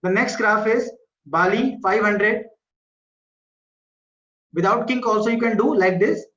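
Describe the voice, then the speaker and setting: Speaking a little slowly, this man has a high, slightly bright voice and a South Asian accent. He teaches maths in an online school class, breaking things down step by step, repeating himself and asking short questions to make sure students understand. The online video class takes place in an indoor room, with muffled, echoey audio.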